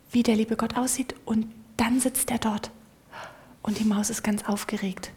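Lively woman telling a children's story. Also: a little high. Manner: lively, often dropping to a whisper. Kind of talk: children's story told in church.

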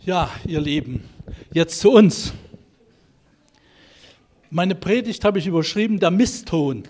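Lebhafter Pfarrer mit Handmikrofon. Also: male voice, high voice, takes it slowly. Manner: lively, questioning, addresses the congregation directly. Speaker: pastor. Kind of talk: children's sermon and sermon. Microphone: handheld microphone.

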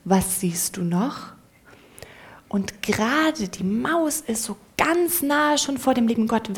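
A woman telling a children's story in church, lively and often dropping to a hushed whisper. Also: on the high side.

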